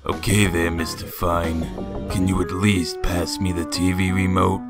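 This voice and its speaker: A man's voice: low voice, little pitch movement, measured pace. A man voicing a lazy, sardonic male skeleton in a cartoon comic dub, grumbling over music. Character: surly, lazy male skeleton slumped in an armchair. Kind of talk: comic dub character acting.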